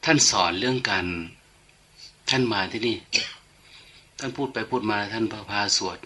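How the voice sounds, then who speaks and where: A man's voice: fairly low pitch, moderate pace, pushed and bright. An older man, a monk, giving an informal, chatty sermon full of anecdotes and light humor. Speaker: monk giving a dharma talk.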